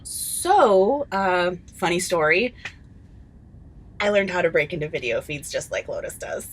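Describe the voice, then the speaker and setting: A woman's voice: fairly low pitch, animated, a little slow, a little hiss or hum, poor audio. An actress playing a chatty, gleefully sneaky woman in a comedy audio drama, teasing and mock-innocent. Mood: chatty, sly.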